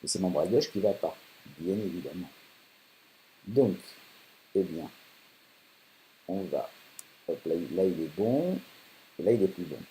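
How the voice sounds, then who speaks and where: A man hosting a casual software tutorial, thinking aloud with many fillers while working on screen. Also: sits low, expressive, measured pace, long pauses. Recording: faint hiss.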